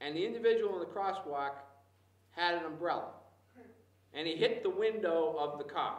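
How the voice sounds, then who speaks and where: Amid audible room echo, a man with a high pitch speaks at a moderate pace with ordinary pitch variation and long, frequent pauses. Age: 60s. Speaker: panelist on policing. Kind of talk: panel discussion. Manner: halting.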